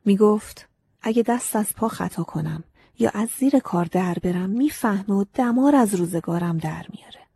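A woman narrating an audiobook in the first person, in a breathy, often half-whispered and intimate way. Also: mid-range voice, dark tone.

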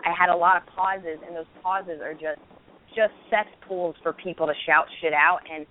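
A woman's voice: fairly low pitch, fairly even intonation. Thirtysomething lady comic chatting candidly, phone-thin sound with a little hiss. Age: 30s. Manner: candid, storytelling with quick restarts. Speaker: stand-up comedian guest. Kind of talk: casual interview chat. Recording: tinny phone-like line with faint noise.

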